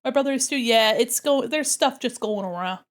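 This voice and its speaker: A woman's voice: on the high side, fairly quick. Congested woman chatting while she draws. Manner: chatty, answers chat questions, murmurs to herself while working. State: congested from a cold. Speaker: art streamer. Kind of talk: casual chat with viewers while drawing.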